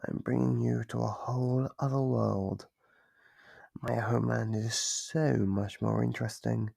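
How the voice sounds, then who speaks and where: A man voicing a playful, sadistic monster from under the bed in an ASMR roleplay, gravelly and breathy, savoring his slow, mock-gentle taunts. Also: mid-range voice, fairly even intonation, no echo, full character voice. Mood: scornful, eager. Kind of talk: ASMR roleplay, scripted monologue. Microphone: close microphone.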